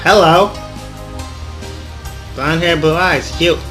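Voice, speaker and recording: A man's voice: fairly high pitch, slow, over music. A man doing let's play commentary and reading game text aloud, stumbling over words at times, with playful reactions. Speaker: let's player. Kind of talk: gaming commentary with visual novel read aloud.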